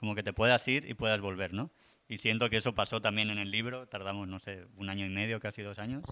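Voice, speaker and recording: Very fast, bright, sharp speech from a man at fairly low pitch, fairly even in intonation, on a very clean recording with a silent background. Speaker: editor.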